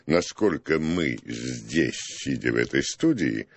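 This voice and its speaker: A man in a studio discussion, explaining things in an emphatic, deliberate storytelling way with pauses. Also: a bass voice, lively intonation, breathy edge, no room sound.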